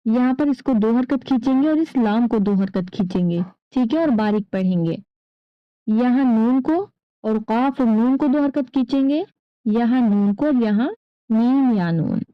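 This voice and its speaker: A woman teaching young children to recite, drawing out syllables slowly and patiently. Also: on the high side, clean tone, no echo, dull audio. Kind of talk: slow recitation lesson with repetition.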